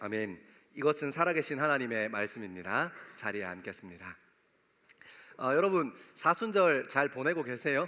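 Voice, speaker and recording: A man speaks at a moderate pace in a fairly high, bright, sharp voice with vocal fry, very wide pitch swings, and long, frequent pauses. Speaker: pastor. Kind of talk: sermon. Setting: church youth worship service. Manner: conversational, addresses audience often.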